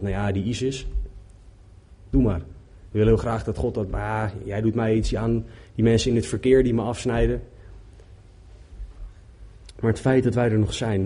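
Earnest male preacher with a husky voice. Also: fairly low pitch, mellow. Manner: earnest, emphatic, repeats phrases. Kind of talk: sermon.

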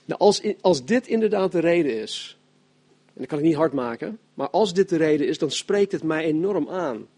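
A man's voice: on the high side, lively intonation, normal speed, a little mellow. A man teaching a Bible study, reading scripture aloud and explaining it in a conversational way with his own opinions. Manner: conversational with fillers and restarts.

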